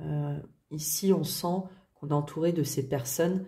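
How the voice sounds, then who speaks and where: Her voice is very deep and low, dark and mellow in tone and somewhat breathy, with fairly even intonation at a fairly slow pace. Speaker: tarot card reader. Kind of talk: tarot reading. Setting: on camera. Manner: hesitant, many fillers.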